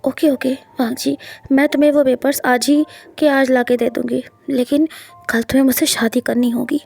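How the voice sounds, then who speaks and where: A woman's voice: sits high, flat delivery, normal speed, creaky, darkish tone. A woman voicing a scheming young woman who stammers defensively when caught out. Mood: agreeing.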